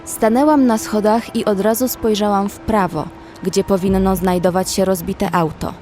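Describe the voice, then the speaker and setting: A woman's voice: medium pitch, steady tone, moderate pace, mellow, natural voice. A woman playing a young female survivor who narrates a horror audio drama in the first person. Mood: calm, observant. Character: young female survivor recounting a frozen zombie outbreak. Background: faint music.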